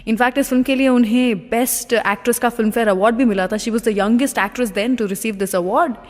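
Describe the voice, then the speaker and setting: A woman with an Indian accent hosts a radio show in a fairly high voice. She chats in a gushing, storytelling way and drops in English phrases. Her voice rings with long reverb. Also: fairly even intonation, normal speed. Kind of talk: chatty radio presenting with film-star anecdotes.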